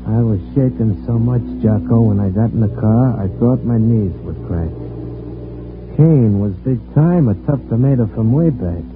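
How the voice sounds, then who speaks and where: A man's voice: medium pitch, moderate pace, music in the background, close to an everyday voice. An actor playing a hapless, nervous small-time wise guy, slangy and put-upon, in an old-time radio comedy crime drama. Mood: rueful. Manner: slangy, put-upon, colorful streetwise storytelling. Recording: tinny old radio recording.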